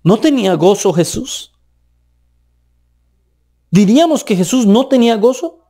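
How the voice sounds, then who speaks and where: Colombian preacher man, mellow voice. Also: lively intonation, measured pace. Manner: emphatic, rising and dropping pitch for stress. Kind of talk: sermon.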